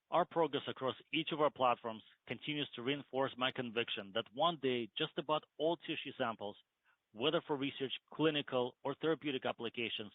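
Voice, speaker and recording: A man's voice: mid-range voice, dry recording. A man, a company executive, gives scripted earnings call remarks in a formal, declarative way. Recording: dry, narrow phone-line sound.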